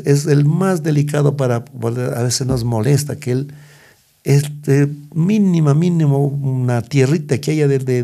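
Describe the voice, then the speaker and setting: A man's voice: medium pitch, gravelly, dark tone. A middle-aged man, telling stories as an interview guest, rambling with many restarts. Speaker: guest musician. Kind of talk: storytelling interview.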